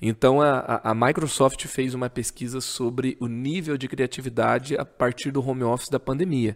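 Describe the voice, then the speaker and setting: This is an ordinary speaking voice at a moderate pace, with fairly even intonation and hardly any pauses. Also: man, medium pitch for a man. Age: 30s. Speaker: pastor. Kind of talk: casual chat.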